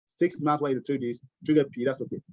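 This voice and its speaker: A man's voice: mid-range voice, steady tone, quick pace, warm tone, dry recording. A man giving a webinar lecture, emphatic and often repeating or restarting his words. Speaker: webinar presenter on tax treaties. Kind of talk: lecture-style webinar talk. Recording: dull, lo-fi webinar audio.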